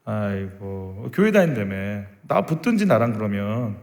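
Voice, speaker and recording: A man's voice: medium pitch, expressive, measured pace, lightly acted. A man doing a sneering giant warrior. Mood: mocking. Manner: sneering taunts. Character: mocking giant warrior taunting soldiers. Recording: echoey church hall.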